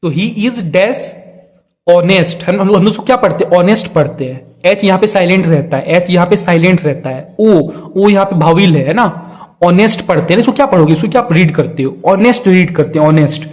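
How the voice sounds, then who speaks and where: Give me a young male teacher with a high voice who explains step by step and keeps checking in with his students. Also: animated, fairly quick, darkish tone. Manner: frequent checking fillers. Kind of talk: olympiad exam prep lesson.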